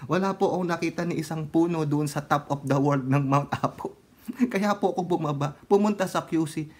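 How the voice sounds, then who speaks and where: A man's voice: on the high side, normal speed. Filipino man laughing through sarcastic commentary. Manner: laughs often, sings snatches of songs. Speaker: political commentary vlogger.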